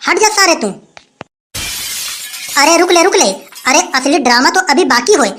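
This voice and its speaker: A man doing a shrill blustering village headman. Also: expressive, normal speed, bright, forceful tone, faint music behind, exaggerated voice. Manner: blustering, threatening, repeats phrases. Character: boastful greedy male village headman, blustering. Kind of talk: comic sketch acting.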